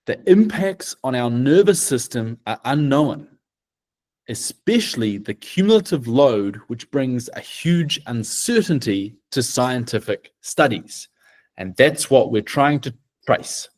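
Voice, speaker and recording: A middle-aged man with a New Zealand accent, presenting a team project in a deliberate, measured way. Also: mid-range voice, animated, darkish tone.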